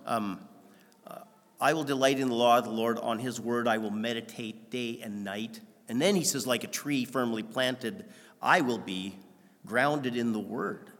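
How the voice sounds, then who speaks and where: A man's voice: medium pitch, a little slow, a bit bright, big-room sound. A male pastor giving a conversational, self-deprecating sermon, acting out dialogues with God.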